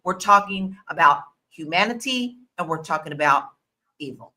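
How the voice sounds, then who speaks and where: Bright emphatic woman on a panel. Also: lowish voice, expressive, normal speed. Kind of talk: casual panel discussion.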